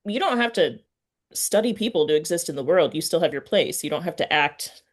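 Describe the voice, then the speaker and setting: A woman's voice: deep voice, expressive, fairly quick. A woman interviewer in casual, personal conversation, earnest and often searching for her words. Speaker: podcast interviewer.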